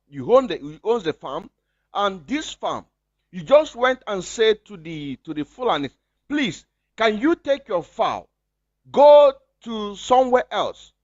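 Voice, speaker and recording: A Nigerian man holds forth on a livestream in a high voice that leaps up and down. He talks slowly, stacking rhetorical questions. The sound is lo-fi and close, with no room at all. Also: sing-song, no echo. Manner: impassioned, repetitive rhetorical questions. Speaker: activist livestreamer. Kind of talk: livestream commentary.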